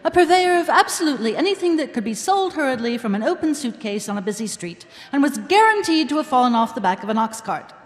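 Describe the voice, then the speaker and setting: A woman's voice: sits high, very animated, fast, hardly any pauses. A woman narrating a live radio comedy in a scripted, dramatic storytelling style. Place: live on stage in a large hall. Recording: reverberant hall, faint music behind.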